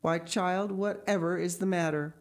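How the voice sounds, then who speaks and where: A strict older guardian woman in a storybook, acted out by a woman narrator. She speaks in a brisk, practical way, with firm disapproval and no patience for fancy. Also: on the low side, fairly even intonation, pitched above the performer's own voice, lightly acted. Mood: immovable.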